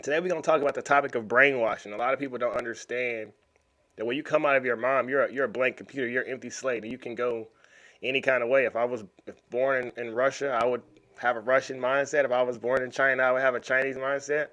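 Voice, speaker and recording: Talking fast in a mid-range, fairly bright voice with fairly even intonation, a US reaction host on YouTube gives laid-back commentary over a video. He's animated and keeps repeating himself and restarting words.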